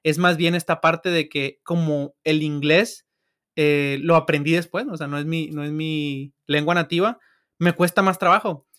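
A young man with a Mexican Spanish accent, chatting casually as a software engineer guest, loose and slangy and often laughing. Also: fairly high pitch, fairly even intonation, moderate pace, clean tone. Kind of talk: casual podcast chat.

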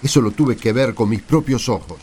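A man's voice: medium pitch, brisk, darkish tone, slight background noise, close to an everyday voice. A man playing an anguished, devout apostle in a radio play. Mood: grieved, firm. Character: anguished, devout male apostle seething with hate.

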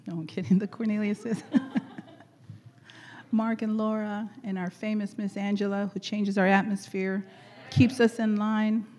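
A middle-aged woman leading a church gathering, chatty and laughing often, her voice going hoarse. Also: medium pitch, flat delivery, a little slow, darkish tone. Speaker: church leader. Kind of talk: warm casual church greeting and exhortation.

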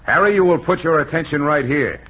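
A man playing a gruff gangster bookie in a 1940s radio drama, bossy and clipped, slightly husky. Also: a little high, brisk. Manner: clipped tough-guy slang, bossy. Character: gruff gangster bookie, tough but softening. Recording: dull old radio broadcast.

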